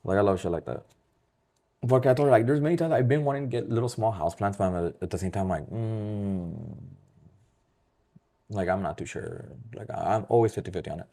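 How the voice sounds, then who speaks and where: Man, very low voice, hoarse and worn, loose profane podcast banter, slips into Spanish. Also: animated, a little fast, warm tone. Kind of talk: casual podcast chat.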